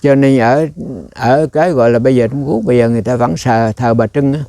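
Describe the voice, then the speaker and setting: A man's voice: medium pitch, a little fast, dark tone, no echo. A man giving a rambling, conversational dharma talk as a Buddhist monk, often turning to quiz his listeners.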